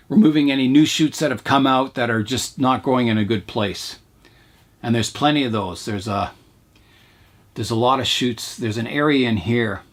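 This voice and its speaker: A man hosting his bonsai channel, talking casually while he works on a tree, his voice hoarse from talking too much. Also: mid-range voice. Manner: rambling, chatty, talks while pruning. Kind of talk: casual narration while working.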